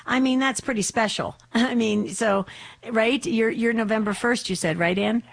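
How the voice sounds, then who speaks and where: A woman hosts a faith-centered call-in radio show, talking in a chatty, devout way. Her voice is slightly hoarse, and she restarts her sentences often. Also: fairly high pitch, normal speed.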